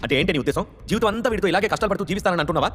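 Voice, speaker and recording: A man voicing a haughty, angry, wealthy middle-aged mother who scolds loudly. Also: high-pitched, expressive, racing, big-room sound, slight background noise, voice pushed up. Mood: furious. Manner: scolding, scornful, loud.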